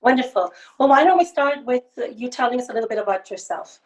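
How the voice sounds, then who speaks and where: A woman podcast host who leads a calm guided meditation and then asks interview questions. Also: a little high, highs cut off. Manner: soothing, slow guided breathing.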